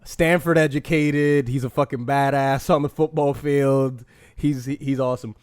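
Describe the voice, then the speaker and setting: A man hosting a casual podcast, talking in an animated, opinionated way and poking fun at himself. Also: medium pitch, measured pace, clean tone, no room sound, clean studio sound. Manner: animated, opinionated, with mock impressions and self-mocking laughs. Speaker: podcast host.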